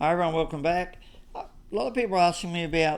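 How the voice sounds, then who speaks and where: The voice carries an Australian accent. The recording is very clean with a silent background. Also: man. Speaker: maths video creator. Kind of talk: tutorial.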